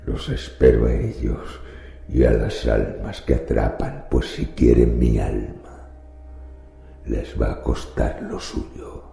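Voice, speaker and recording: A man playing a dying, mad old grandfather in a horror radio drama, sinister and halting, with a gravelly, gasping croak. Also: rumbling low, steady tone, mellow, heavily acted. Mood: ominous defiance. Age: older. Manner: halting, gasping deathbed speech. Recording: roomy echo with background music.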